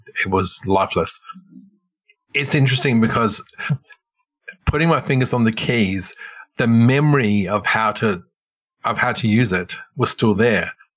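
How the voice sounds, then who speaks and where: A man with an Australian accent talks at a moderate pace and a medium pitch, with ordinary pitch variation. He leaves long, frequent pauses. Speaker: stroke survivor and musician. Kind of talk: interview. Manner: halting, with repeated words.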